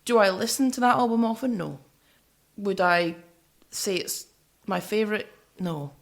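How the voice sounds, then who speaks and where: A woman co-hosting a music podcast, chatting casually in a measured way as she weighs both sides. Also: mid-range voice, expressive.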